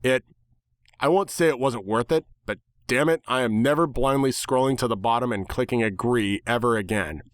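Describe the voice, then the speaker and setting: A man's voice: mid-range voice, moderate pace, no echo, studio quality. A man giving a dramatic first-person reading of a story as its narrator. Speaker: narrator of fan fiction.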